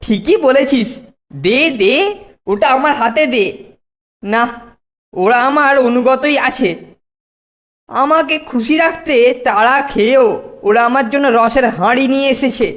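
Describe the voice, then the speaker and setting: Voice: sits high, a little slow, pauses often, fairly bright tone. An actor voicing a self-important, grumbling older schoolboy in a cartoon, with exaggerated delivery. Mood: smug. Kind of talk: cartoon voice acting.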